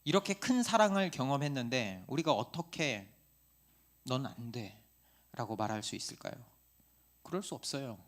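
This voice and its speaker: A middle-aged male pastor giving a sermon in a conversational, animated way, asking his listeners many questions. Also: medium pitch, normal speed, long pauses.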